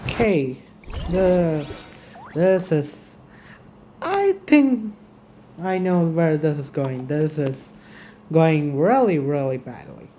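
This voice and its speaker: A woman streamer giving casual gameplay commentary, halting as she thinks aloud. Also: sits low, lively intonation, warm tone, slight background noise. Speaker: gaming streamer. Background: faint game music.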